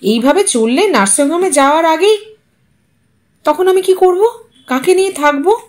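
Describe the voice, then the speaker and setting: Woman acting a shrill, snappish, bossy wife. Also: animated, normal speed, a little mellow. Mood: upset. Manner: snappish, scolding, demanding. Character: sharp, bossy, anxious middle-class wife.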